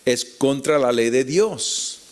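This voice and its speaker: Puerto rican guy preaching like a teacher, slow and deliberate, medium pitch, asks the audience questions. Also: expressive. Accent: Puerto Rican Spanish. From Puerto Rico. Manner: deliberate, explanatory, with rhetorical questions. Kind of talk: expository Bible teaching to an audience.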